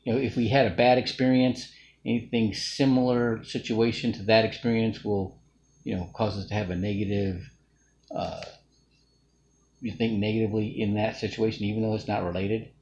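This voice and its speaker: A man's voice: lowish voice, level tone, moderate pace, a little mellow. A middle-aged man from Alabama, talking through a casual, rambling self-reflective monologue full of fillers and restarts. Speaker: vlogger.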